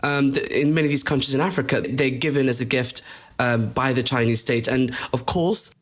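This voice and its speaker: A man in the middle of a panel discussion, laying out what he found in his reporting. His voice sits at an ordinary middle pitch, and he talks in a measured, explanatory way with frequent small fillers.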